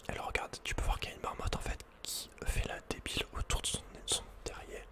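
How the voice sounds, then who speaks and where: A man whispering casual, slangy, playful game commentary in a breathy ASMR style, close to the microphone. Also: brisk. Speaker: ASMR video game player.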